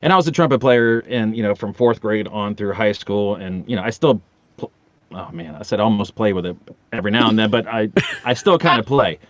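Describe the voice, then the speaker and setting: A man's voice: lowish voice, brisk, no room sound. American guy in his 50s, jokey rambling storyteller, dry close sound but a bit muffled. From Maryland, USA. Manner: joking, rambling, profane. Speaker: podcast guest, voice actor. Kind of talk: comic storytelling in a casual chat.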